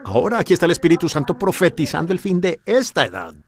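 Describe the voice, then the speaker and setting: A man's voice: a little high, very animated, fast talker. A man preaching a dubbed sermon in a fervent, exhorting way.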